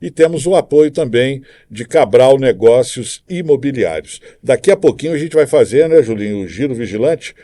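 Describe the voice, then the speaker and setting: A man's voice: medium pitch, warm tone. A man with a Brazilian accent hosting a live podcast, interviewing and making announcements.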